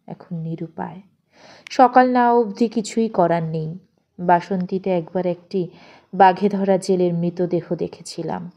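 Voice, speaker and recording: A woman narrating a literary audio story in an expressive, measured, dramatic way. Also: on the low side, vocal fry.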